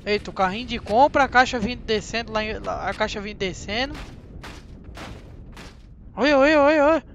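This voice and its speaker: Excitable high-voiced Brazilian young man. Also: fast, vocal fry, lo-fi sound, a little hiss or hum. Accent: Brazilian Portuguese. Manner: chatty, excitable, talks straight to viewers. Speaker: gaming channel host. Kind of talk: casual gameplay commentary.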